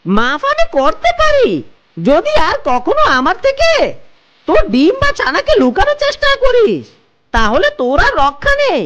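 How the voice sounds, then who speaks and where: A woman's voice: very high-pitched, huge pitch swings, moderate pace, a bit bright, highs cut off, heavily acted. A woman voicing a wicked, bullying fox in a children's cartoon, with a taunting, sing-song, cackling manner. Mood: menacing.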